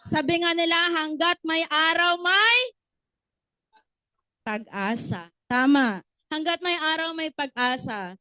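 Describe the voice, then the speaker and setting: A woman's voice: high-pitched, lively intonation, slow, pauses often, sharp tone, no room sound, rough recording. A woman giving a motivational business training talk, often asking the audience questions and acting out little stories.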